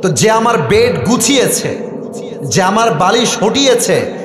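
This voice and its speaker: A man's voice: sits high, very animated, measured pace, faint music behind. A Bangladeshi man preaching through a dramatic personal anecdote, acting out the dialogue and dropping in English phrases. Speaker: Islamic preacher. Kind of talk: sermon-style anecdote telling. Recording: echoey hall with long reverb.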